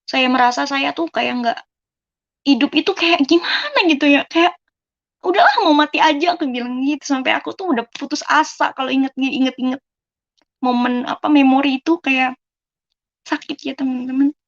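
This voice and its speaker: A woman's voice: sits high, fairly even intonation, normal speed, highs cut off. A young woman from Indonesia giving a personal testimony in a conversational way, replaying quoted dialogue and often turning to her listeners as friends. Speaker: testimony speaker.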